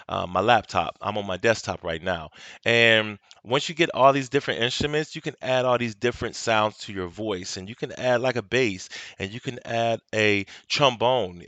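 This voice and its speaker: A man hosting a casual software tutorial at his home desktop, explaining each step in a relaxed, instructive way with frequent "um" and "okay". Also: fairly low pitch, dry recording. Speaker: video tutorial host. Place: home desk at a desktop computer.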